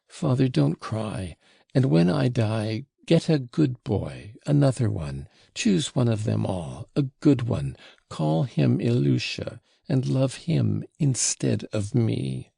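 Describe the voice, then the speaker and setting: A man's voice: medium pitch, a little slow, vocal fry, hardly any pauses, warm tone, breathy edge, dry recording, clean studio sound, full character voice. A man voicing a sick, tender little boy in an audiobook, pleading in an earnest, plaintive way. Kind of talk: audiobook character voice.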